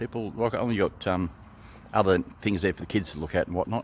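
A man with an Australian accent talks at a fairly quick pace and a fairly low pitch, his intonation fairly even, over light background noise. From Western Australia. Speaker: car hobby vlogger. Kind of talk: casual vlog. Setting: in a car. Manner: halting. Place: open country. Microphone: phone near.

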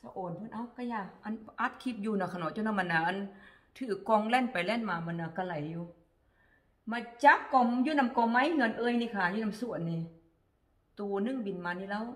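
Female voice, normal pitch movement, quiet surroundings. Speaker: vlogger. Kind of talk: casual vlog chat. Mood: cheerful, chatty. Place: kitchen. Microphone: phone near.

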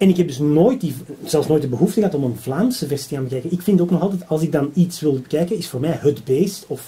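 With a Flemish accent, a man talks very fast in a fairly high pitch, his tone dark and mellow and his intonation lively. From Flanders. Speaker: interviewer. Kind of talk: interview. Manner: halting.

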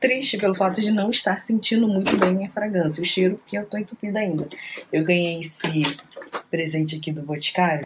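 A woman speaks at a moderate pace, her pitch varying in an ordinary way, amid noticeable background noise. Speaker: beauty vlogger. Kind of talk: casual vlog chat. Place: home room. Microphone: phone near.

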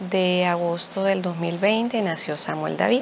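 Noticeable background noise sits under a woman's fairly low voice. She talks at a very slow pace with ordinary pitch variation. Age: 30s. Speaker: breastfeeding mother. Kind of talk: personal testimony.

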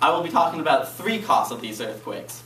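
A man speaks with audible room echo around him. Light background noise is present too. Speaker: college student; speaker. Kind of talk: classroom speech. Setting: college classroom. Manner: halting.

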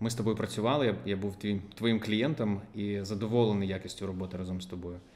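At a fairly quick pace, a man talks with fairly low pitch and fairly even intonation. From Ukraine. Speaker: podcast host, journalist and business coach; podcast host. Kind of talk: interview. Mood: warm, empathetic. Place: home room. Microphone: earbuds.

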